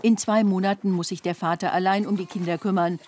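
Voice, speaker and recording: Lower-voiced woman narrating a documentary. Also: fairly even intonation, a little fast, darkish tone, slight background noise. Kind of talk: scripted narration.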